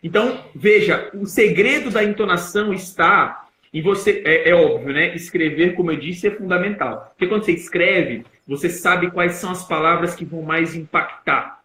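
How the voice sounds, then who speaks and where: Young Brazilian man, public-speaking coach on a live stream, bright, punchy delivery with deliberate emphasis, roomy echo. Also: high voice, a little hiss or hum. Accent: Brazilian Portuguese. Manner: explanatory, plays with emphasis and loudness to demonstrate.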